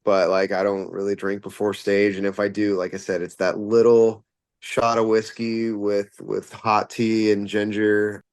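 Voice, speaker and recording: A man's voice: on the low side, flat delivery, measured pace, a little mellow, clear, resonant tone, no echo. A man who fronts a rock band, answering interview questions casually and rambling with plenty of fillers and restarts.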